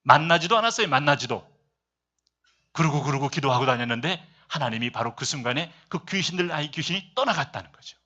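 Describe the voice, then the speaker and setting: A male pastor preaching a sermon at a church service, emphatic, with rhetorical questions and sudden shifts between loud and soft. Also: medium pitch, a little fast, muffled recording.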